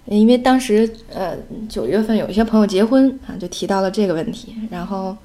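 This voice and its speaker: A woman in her forties from China tells family anecdotes in a relaxed, chatty way. She drifts through fillers and slips in English words now and then. Her voice sits in an ordinary middle range. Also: mid-range voice, fairly quick, a little hiss or hum. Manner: chatty, with many fillers and Mandarin-English mixing. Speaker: mother, vlogger. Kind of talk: casual storytelling.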